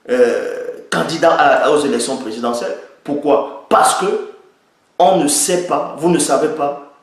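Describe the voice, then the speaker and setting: A man giving an opinion monologue and citing the Bible, emphatic and repeating his points for stress. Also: a little high. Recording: very echoey room.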